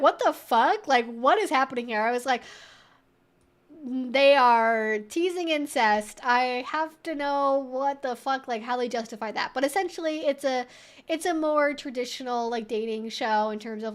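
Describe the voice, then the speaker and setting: With a high, fairly bright voice, a woman hosts a livestream and chats casually. Her talk rambles informally, full of "like" and swearing.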